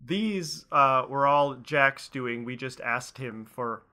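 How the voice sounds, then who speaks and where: A man's voice: mid-range voice, slow pace, pushed and bright. A man giving casual creator's commentary on a web series episode, speaking conversationally. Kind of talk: casual director's commentary chat. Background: background music.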